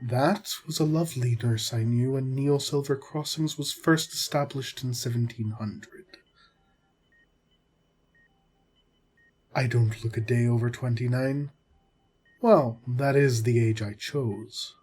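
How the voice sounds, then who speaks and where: Man playing a slow-talking, husky immortal doctor. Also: medium pitch, a little mellow. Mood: fussy, proud. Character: long-lived vampire doctor, male, caring yet exasperated. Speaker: voice actor. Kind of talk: audio roleplay drama, spoken to the listener.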